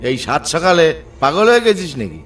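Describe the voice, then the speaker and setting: A man's voice: fairly high pitch, sing-song, a little fast, a bit bright, recorded from a distance. A man voicing an older village man in a Bengali cartoon who teases his friends, over background music. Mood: mocking. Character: older village man Bhola, mocking then worried.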